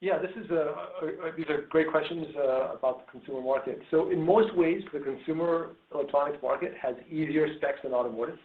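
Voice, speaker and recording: Guy exec on an earnings call, lots of ums and pauses, thin phone sound, roomy echo. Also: on the high side, narrow, tinny audio. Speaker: company executive. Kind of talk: answering questions on an earnings call. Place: conference call.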